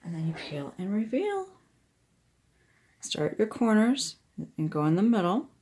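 A woman's voice: medium pitch, sing-song, a little slow, dark tone. A woman giving a casual hands-on craft demonstration, talking herself through each step. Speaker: craft tutorial host, independent product demonstrator. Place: indoors at a wooden craft table.

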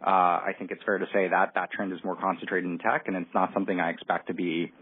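A man's voice: deep voice, level tone, fast talker, slightly rough. A man answering analyst questions as a company executive, hesitant and careful to hedge his points. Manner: hesitant, hedging. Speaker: company executive on an earnings call. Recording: muffled narrowband phone line.

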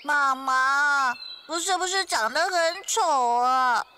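A woman's voice: high voice, slow pace, bright, forceful tone, slight background noise, full character voice. A woman voicing a shy, kind-hearted cartoon baby bird with a hesitant, childlike delivery. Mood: sad.

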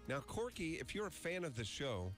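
A man's voice: a little high, big pitch swings, moderate pace, fairly bright tone. A man in his thirties hosting a radio show with casual game-show chat, close on a studio mic. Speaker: radio morning show host. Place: small foam-padded radio studio. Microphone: close studio condenser mic. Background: music bed.

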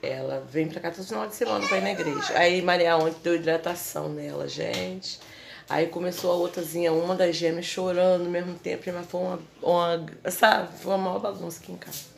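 A woman's voice: lowish voice, fairly even intonation, brisk, vocal fry. A woman vlogging at home as a mother, chatting casually and calling out to her viewers. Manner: chatty, addresses viewers as "gente" often. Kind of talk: casual home vlog chat. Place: family home, indoors. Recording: noisy home phone video.

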